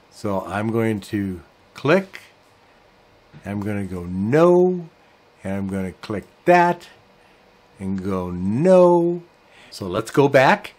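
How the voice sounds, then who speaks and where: Man in his sixties, medium pitch, unhurried delivery, step-by-step explainer, hobbyist host. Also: darkish tone. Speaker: host of a ham radio channel. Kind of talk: software tutorial and review talk to camera. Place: small indoor home radio workshop.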